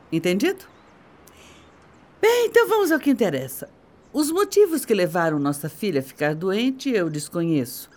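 A scornful middle-aged Brazilian wife in a radio soap opera. Her delivery is haughty and theatrical, swinging widely in pitch as she mocks and belittles her husband. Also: darkish tone. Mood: cold, businesslike.

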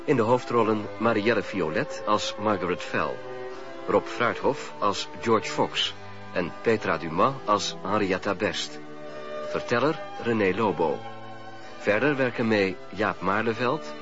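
A man's voice: on the low side, unhurried, over music. A man reading scripted title and cast credits as the announcer of a radio drama. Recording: dull radio recording.

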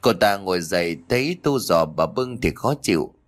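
Low-voiced man telling a story. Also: expressive, moderate pace. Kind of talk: dramatic story narration.

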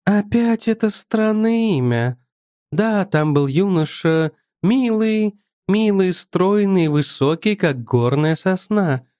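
A man's voice: high-pitched, animated, takes it slowly, darkish tone, clear, resonant tone, no room sound, studio quality, voice pushed up. A man voicing a dreamy, capricious young woman, a sacred courtesan, in an audiobook. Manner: wondering, capricious. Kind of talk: audiobook character voice.

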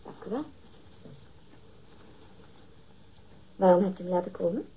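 An actress playing a defensive, haughty young librarian under questioning in a radio drama, curt and bitterly sarcastic. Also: female voice, fairly low pitch, animated, very fast, breathy edge, dull audio, exaggerated voice. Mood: guarded, irritated.

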